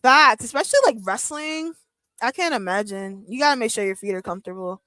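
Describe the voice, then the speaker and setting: A woman's voice: a little high, expressive, fairly quick, bright, forceful tone, dry recording, low-quality recording. Playful joking woman streamer, dry close sound. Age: 30s. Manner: playful, joking, laughs often, lots of fillers. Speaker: streamer hosting a wrestling watch-along. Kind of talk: casual live-stream chat reading comments.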